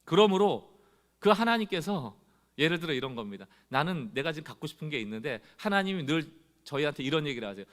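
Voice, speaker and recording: A male pastor delivers a Sunday sermon in a fairly high voice that swings widely in pitch. He talks straight to the congregation and acts out people's complaints in a loud, rising tone. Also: big pitch swings, fast talker.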